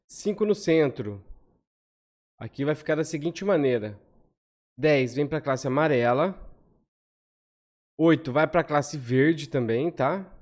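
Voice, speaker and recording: Brazilian man, thirties, slightly high voice, casual screen-share walkthrough, quick chatty delivery, tag questions. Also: darkish tone. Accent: Brazilian Portuguese. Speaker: lottery analysis host. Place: home room, on webcam over screen share.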